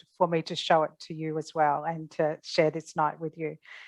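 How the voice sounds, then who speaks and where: With a strong Australian accent, a woman speaks at a moderate pace in a dry, close sound with no echo over a quiet background. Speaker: home cook, club speaker. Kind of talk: casual talk at online club meeting.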